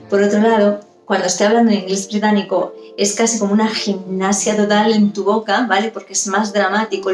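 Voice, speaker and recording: A woman's voice: medium pitch, a little mellow, reverberant. A woman teaching English pronunciation, explaining and demonstrating sounds and often checking in with the listener. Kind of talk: explanatory lesson.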